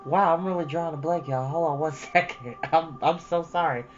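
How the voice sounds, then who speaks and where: A man's voice: on the high side, fairly quick, dull audio, faint music behind. A man hosting a storytime channel, speaking casually in an earnest, reflective and encouraging way. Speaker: host of a storytime reading channel. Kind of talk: casual chat and expressive book reading.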